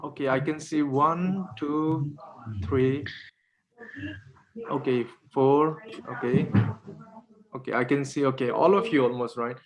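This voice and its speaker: A man's voice: medium pitch, steady tone, takes it slowly, long pauses, rough recording. Man moderating a video-call panel. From Nepal. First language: Nepali. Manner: hesitant, many fillers and restarts.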